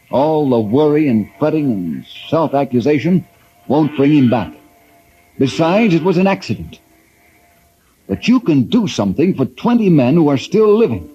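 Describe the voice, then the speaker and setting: An actor playing an earnest, resolute ranger hero who speaks in a firm, persuasive way, in an old radio drama. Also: male voice, medium pitch, dark tone. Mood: pleading. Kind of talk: 1950s radio drama acting. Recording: dull old radio broadcast with faint hiss.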